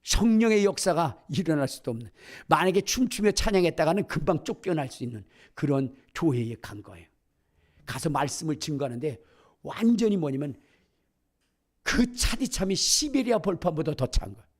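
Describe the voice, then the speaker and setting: Husky, lively Korean pastor preaching. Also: male voice, on the high side, moderate pace. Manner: animated storytelling, acting out voices, builds to shouts. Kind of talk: sermon.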